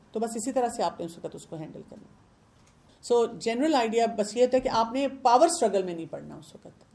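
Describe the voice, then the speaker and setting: A woman's voice: medium pitch, darkish tone. A woman with a Pakistani Urdu accent, a parenting expert who explains with everyday examples and questions, mixing English words into her talk.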